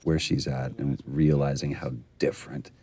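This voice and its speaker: Very deep-voiced man in commentary. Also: flat delivery, normal speed, mellow. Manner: enthusiastic and admiring. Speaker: game creator in commentary. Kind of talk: developer commentary.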